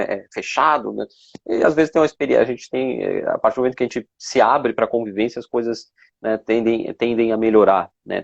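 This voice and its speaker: A Brazilian man hosting a live chat, halting and full of fillers. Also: on the low side, darkish tone, slightly rough, no echo, muffled recording. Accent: Brazilian Portuguese.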